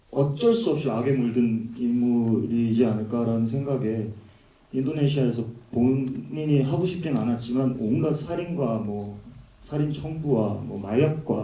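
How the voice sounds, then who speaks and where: A man from who speaks, an actor answering audience questions at a film Q&A, candid and joking, with thoughtful pauses. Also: mid-range voice, dark tone, muffled recording. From Busan, South Korea. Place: cinema hall at a screening. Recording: echoey cinema hall from far off.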